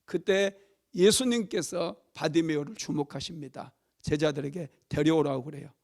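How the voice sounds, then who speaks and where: A man's voice: fairly high pitch, moderate pace, creaky. A male pastor delivering a Sunday sermon, telling a Bible story dramatically and raising his voice to act out cries. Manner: dramatic storytelling, loud acted cries for emphasis.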